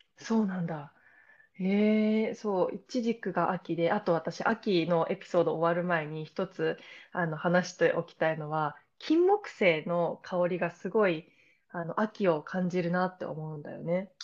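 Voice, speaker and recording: A woman at a fairly low pitch and fairly slow pace, with fairly even intonation, big swings in loudness, and a quiet background. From Japan, Toyama. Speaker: podcast co-host. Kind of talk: casual chat. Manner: slow, clear for learners.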